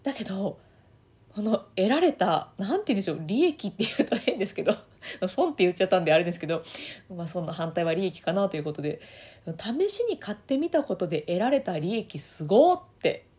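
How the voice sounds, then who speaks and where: Lively Kansai woman podcaster, laughing often. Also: fast. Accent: Kansai Japanese. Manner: laughs often between phrases; animated, swoops up and down in pitch. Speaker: audio podcaster and voice coach. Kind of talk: casual solo podcast talk.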